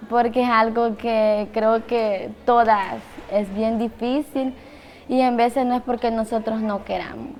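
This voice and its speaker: A Salvadoran woman in her twenties speaking in an interview, in a quiet, reflective way. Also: fairly high pitch, steady tone, a little slow, slight background noise. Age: 20s.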